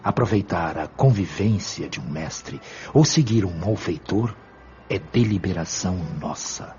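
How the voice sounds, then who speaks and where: Audio drama role: wise, serene male spirit guide, acted by a man, low voice, didactic and formal, lively intonation, muffled recording. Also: a little hiss or hum. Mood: calm, instructive. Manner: measured, didactic, formal diction. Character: calm wise male spirit mentor, patient and firm. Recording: dull lo-fi audio.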